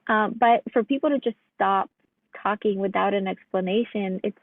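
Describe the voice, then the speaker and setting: Woman, from Ukraine, gravelly voice, earnest and reflective, tinny phone-like sound. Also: medium pitch, steady tone, moderate pace, dry recording. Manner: earnest, reflective, many fillers. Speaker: psychologist guest. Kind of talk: casual interview answers.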